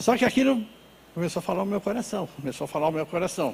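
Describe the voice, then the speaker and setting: A man talks at a fairly quick pace with very wide pitch swings. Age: 60s. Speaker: pastor. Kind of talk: sermon. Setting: church.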